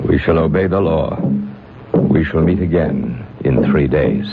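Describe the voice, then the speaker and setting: Commanding tribal leader, solemn, booming low pitch, deliberate pace, dull vintage radio play. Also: male voice, loud music behind the voice. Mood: stern, solemn. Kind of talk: old-time radio drama acting. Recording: muffled old radio recording.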